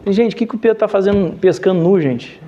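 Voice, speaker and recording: Animated teacher retelling stories. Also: male voice, high-pitched, quick pace, dull audio, a little hiss or hum. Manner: animated, humorous, addresses listeners directly. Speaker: religious teacher. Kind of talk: lively storytelling lesson.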